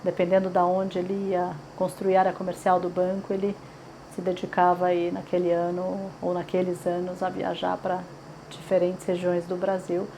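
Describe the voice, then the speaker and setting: A woman's voice: fairly low pitch, monotone, moderate pace, dark tone, slight background noise, low-quality recording. A woman in her forties from São Paulo with a paulistano accent, chatting in an oral history interview with many fillers and tag questions. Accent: Paulistano Brazilian Portuguese. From São Paulo, Brazil.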